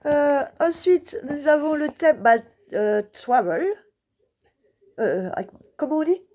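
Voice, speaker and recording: A woman's voice: high voice, expressive, slow pace, long pauses, a little mellow. A woman casually showing craft stamps in a vlog, talking hesitantly with many fillers and laughing at her own guesses. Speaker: scrapbooking vlogger.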